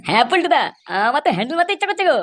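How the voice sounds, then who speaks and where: Woman acting cocky male cartoon youth, very high voice, fast, bragging, crude, faint noise. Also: big pitch swings. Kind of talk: crude comedy cartoon dialogue. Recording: faintly noisy cartoon soundtrack.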